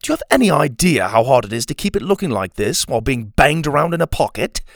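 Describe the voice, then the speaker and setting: A man's voice: medium pitch, sing-song, quick pace, vocal fry, no room sound, studio quality, pitched above the performer's own voice. A man reading a storybook, voicing a tiny, fussy armored male fairy with a prim, bossy manner.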